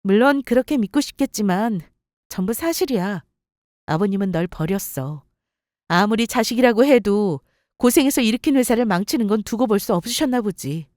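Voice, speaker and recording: A woman's voice: medium pitch, expressive, normal speed, darkish tone, dry recording, studio quality, close to an everyday voice. A woman playing a coolly mocking wife. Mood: cold. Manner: cool, mocking, composed. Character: calm, cutting wife who takes over company. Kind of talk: story radio role-play.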